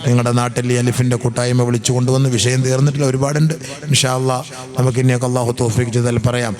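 A man preaching an Islamic sermon in to a gathering, swinging from loud, slow, chanted passages to calm, chatty asides. He questions the audience and jokes with them. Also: mid-range voice, faint music behind.

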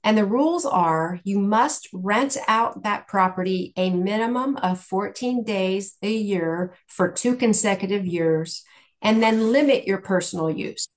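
A woman with a mid-pitched voice speaks as a guest expert in a question-and-answer session. She explains things carefully and in measured steps, like someone walking through regulations point by point. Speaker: guest speaker, tax exchange specialist.

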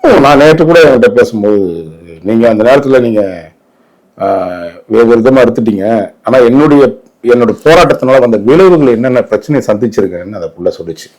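A man's voice: medium pitch, expressive, fairly quick, a little mellow, poor audio. A man with a Tamil Nadu accent giving opinionated interview commentary in an emphatic, indignant way, often posing rhetorical questions.

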